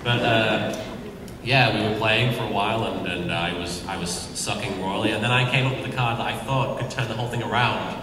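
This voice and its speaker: Man, casual panel storyteller, animated, mock-serious, long hall reverb, clear background noise. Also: fairly low pitch, brisk. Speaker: panelist answering fan questions. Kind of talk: casual anecdote at a convention panel. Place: large convention panel hall. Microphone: PA microphone recorded by a distant audience camera. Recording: echoey hall, distant camera, noisy room.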